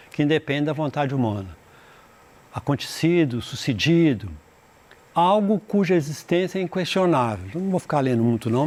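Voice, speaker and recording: A man's voice: fairly high pitch, a little mellow. Chatty man teaching English in Portuguese. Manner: explains in Portuguese, reads English passages slowly and translates; rambling, restarts often. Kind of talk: recorded school lesson.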